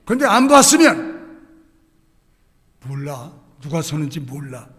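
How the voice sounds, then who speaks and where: A male pastor preaching in a church sanctuary, his high, bright voice ringing through a long hall reverb. He drops into hushed, chatty asides, then builds to shouted declarations and keeps throwing questions at the congregation. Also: very animated, takes it slowly. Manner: asks the congregation rhetorical questions. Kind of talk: sermon.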